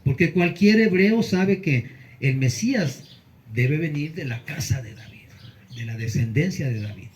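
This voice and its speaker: A male pastor preaching a Sunday sermon, earnest with emphatic pauses. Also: a little high, lively intonation, a little hiss or hum, low-quality recording.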